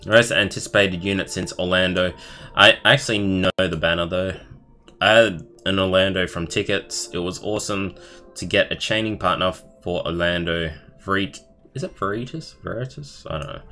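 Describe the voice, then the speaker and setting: A man's voice: deep voice, normal speed, pushed and bright, faint music behind. A man livestreaming, reading aloud expressively with casual asides and commentary of his own. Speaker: streamer.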